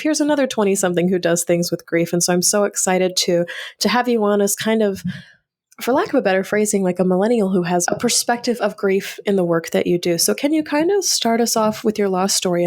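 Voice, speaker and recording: A woman's voice: medium pitch, a little mellow. A woman hosting a podcast interview, speaking casually with loose phrasing and hedges like "kind of". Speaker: podcast host.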